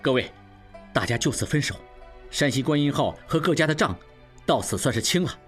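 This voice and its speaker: A man's voice: medium pitch, lively intonation, a little fast, faint music behind, close to an everyday voice. A man voicing a solemn, righteous male banker who speaks earnestly in an audiobook.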